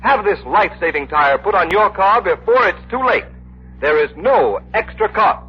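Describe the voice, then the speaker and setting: A man announcing on 1930s radio, speaking persuasively and emphatically in a lively, rather high voice. The sound is dull, like an old broadcast. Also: moderate pace, husky.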